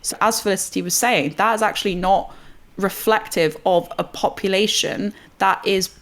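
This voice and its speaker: A woman's voice: mid-range voice, fairly even intonation, normal speed. A woman speaking as a panellist in a news discussion, articulate and analytical in the way she sets out her points.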